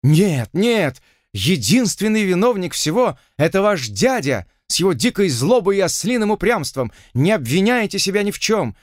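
A man's voice: high-pitched, very animated, normal speed, dry recording, studio quality, pitched above the performer's own voice. A man voicing a smug, lecherous aristocratic envoy who talks in a languid, self-satisfied and pompous way.

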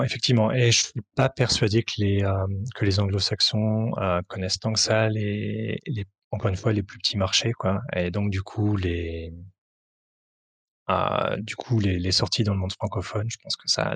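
Giving conversational interview answers, this man, who writes, translates and publishes tabletop RPGs, has a low, gravelly, husky voice with a steady tone. His replies come haltingly, full of fillers and restarts, captured in a dry, close recording.

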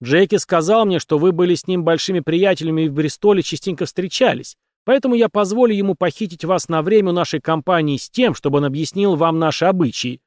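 A man's voice: a little high, quick pace, few pauses, darkish tone, no room sound, studio quality, voice pushed up, lightly acted. A man reading an audiobook, voicing an authoritative, mocking male captain of a beggars' gang.

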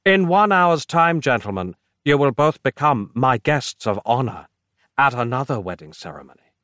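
A man voicing a gloating villainous mastermind, with a theatrical, drawn-out menacing delivery. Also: mid-range voice, big pitch swings, a bit bright, no room sound, studio quality, pitched above the performer's own voice. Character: gloating villainous male bone-obsessed mastermind.

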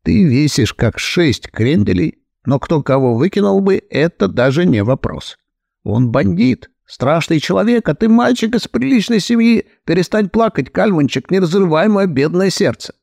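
A man's voice: high-pitched, sing-song, normal speed, creaky, a little mellow, no echo, clean studio sound, voice pushed up, heavily acted. A man voicing a fussy, anxious older clerk who pleads and soothes. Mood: coaxing.

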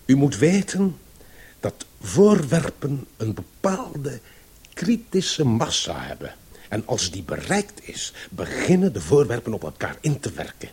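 An actor in a Dutch radio play voicing a pedantic, husky scientist who lectures didactically and emphatically. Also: male voice, mid-range voice, darkish tone, exaggerated voice. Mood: emphatic lecturing. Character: pedantic male scientist expounding absurd theories.

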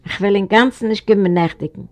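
A woman voicing a defiant, spiteful young woman in a storybook reading, with a gravelly voice. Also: medium pitch, brisk, lightly acted. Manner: defiant, venomous.

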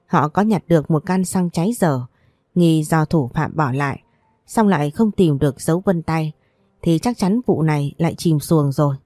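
A woman narrates a story in a steady, even reading voice. Her tone sits low and mellow, and the close recording sounds dry with no room around it. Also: no room sound.

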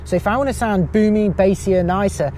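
High-voiced man, chatty and self-mocking. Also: brisk, a little mellow, slight background noise. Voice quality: high-pitched voice. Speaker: podcast guest. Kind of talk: casual chat.

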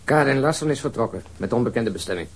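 An actor playing a shrewd police detective in a radio drama, speaking in a terse, grave manner. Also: male voice, mid-range voice, animated, fast talker, slight background noise, close to an everyday voice. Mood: grave, knowing.

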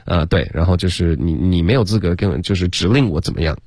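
A man teaching English pronunciation on a radio lesson, explaining slowly in a bilingual way and modelling English lines. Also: sits low, lively intonation, darkish tone, dry recording, studio quality. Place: radio studio.

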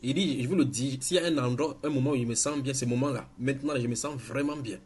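A man's voice: mid-range voice, a little mellow, a little hiss or hum. Emphatic preacher, man. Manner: emphatic, halting with restarts. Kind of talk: church teaching.

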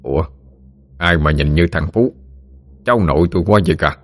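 A man's voice: extremely low pitch, fairly quick, soft background music. A man voicing an affectionate elderly grandfather's ghost in an audio ghost story. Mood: puzzled. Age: older.

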